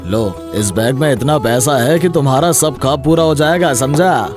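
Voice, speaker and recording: A man voicing an excitable, awestruck village jeweller in an animated Hindi moral story, with drawn-out exclamations. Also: mid-range voice, over music, natural voice. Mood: pleased, expansive.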